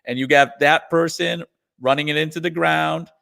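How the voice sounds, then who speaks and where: A man's voice: fairly high pitch, fairly even intonation, moderate pace, creaky, bright, forceful tone. A man chatting as a guest in an interview, rambling with restarts and lots of "you know". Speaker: guest musician and comedian. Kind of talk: casual interview chat.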